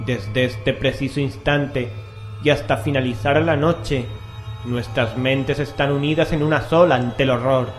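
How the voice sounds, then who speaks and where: A roomy, echoing recording with music underneath carries a man's voice of middling pitch. He has a Castilian Spanish accent and narrates horror with ominous, theatrical weight, like a radio host reading a dramatic script. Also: fairly even intonation, a little slow. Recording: roomy echo, music bed.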